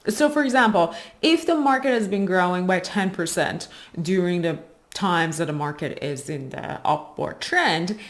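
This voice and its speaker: A woman's voice: on the low side, moderate pace. A woman hosting an explainer video, presenting in a didactic way and stressing key words. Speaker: host of an investing video channel.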